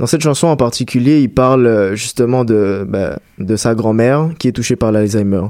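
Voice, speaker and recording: A man's medium-pitched voice with a dark, mellow tone, a moderate pace and hardly any pauses. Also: ordinary pitch variation. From Guadeloupe. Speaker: radio guest, biology graduate. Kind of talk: casual interview.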